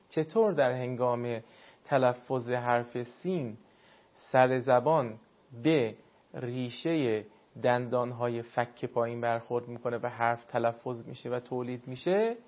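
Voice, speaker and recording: A man teaching the pronunciation of Arabic letters for recitation, explaining patiently and slowing down to demonstrate each sound. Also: medium pitch, gravelly. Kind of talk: spoken pronunciation lesson. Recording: dull lo-fi sound.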